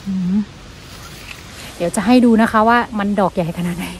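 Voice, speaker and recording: A young woman with an Isan Thai accent, chatting casually and excitedly to viewers while foraging outdoors, full of exclamations. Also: mid-range voice, moderate pace. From Isan, Thailand. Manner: exclamatory, excited, mixing in dialect. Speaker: vlogger, forager. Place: outdoors in a leafy forest. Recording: noisy outdoor phone-video sound.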